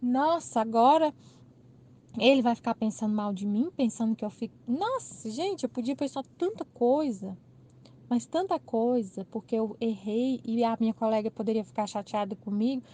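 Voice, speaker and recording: Brazilian woman, casual storytelling, animated, somewhat high voice. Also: moderate pace. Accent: Brazilian Portuguese. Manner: animated, laughing retelling with quoted dialogue. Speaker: channel host.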